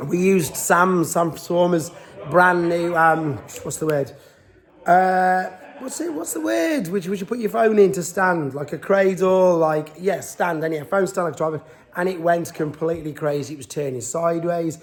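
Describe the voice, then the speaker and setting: A man's voice: a little high, fairly even intonation, normal speed. A man chatting casually as he films a walk-around vlog of a convention venue, rambling with many restarts and losing his voice. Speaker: toy vlogger.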